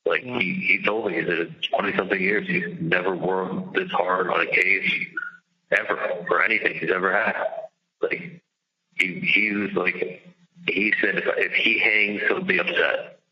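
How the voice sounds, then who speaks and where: A man's voice: low-pitched, level tone, normal speed. A man venting casually and profanely on a phone call, agitated and emphatic, often repeating himself. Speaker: jailed caller on a recorded phone call. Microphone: telephone. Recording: dull lo-fi recorded jail phone call.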